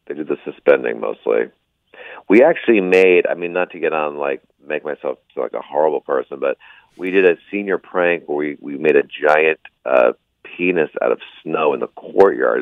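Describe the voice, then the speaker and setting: Deep-voiced man telling a dry story. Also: vocal fry, no room sound, narrow, tinny audio. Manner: dry, rambling storytelling with self-deprecating asides. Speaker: stand-up comedian guest. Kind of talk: casual radio interview.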